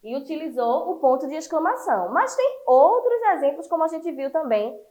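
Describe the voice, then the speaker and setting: A woman teacher from Brazil giving an online class to children, lively and encouraging, explaining step by step. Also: sits high, moderate pace, highs cut off.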